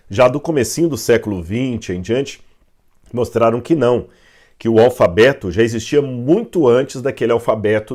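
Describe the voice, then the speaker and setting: A man's voice: medium pitch, a little mellow. A man with a Brazilian Portuguese accent teaching a Bible history lesson, explaining step by step with fillers and self-corrections. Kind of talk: explaining at a whiteboard.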